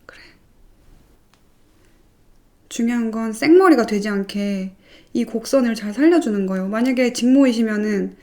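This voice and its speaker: A woman's voice: a little high, normal speed, pauses often, darkish tone. Playful chatty woman showing hair styling. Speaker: vlogger.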